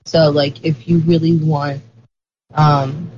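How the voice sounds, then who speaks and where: An interview guest talks through ideas at length, rambling and filling gaps with "like" and "um". The voice sits in a middle pitch. It comes through a dull, lo-fi recording with a faint hiss underneath. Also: flat delivery, takes it slowly, darkish tone. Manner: rambling, heavy use of "like" fillers. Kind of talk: casual conversational explanation.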